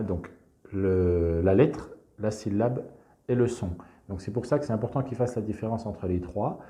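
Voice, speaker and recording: A fairly low-voiced man, a teacher demonstrating a reading method, walks fellow teachers through a classroom exercise in a screencast. He explains each step calmly, peppering his speech with "donc" and "hein".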